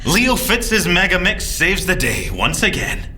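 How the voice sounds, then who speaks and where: A man's voice: high voice, unhurried, a little hiss or hum, exaggerated voice. A man playing an eager, dreamy young scientist agent with a Scottish accent in an audio drama. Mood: triumphant, amused. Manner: animated, boyishly enthusiastic. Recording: echoey, music bed underneath.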